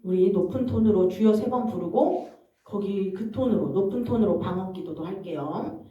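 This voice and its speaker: A woman's voice: medium pitch, moderate pace. A woman's distant voice in an echoing church. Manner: calm instructional, explains then coaches the congregation. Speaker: evangelist leading prayer. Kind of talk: reading aloud and explaining in a church prayer session. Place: church hall. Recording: distant mic in an echoey, dull-sounding church hall.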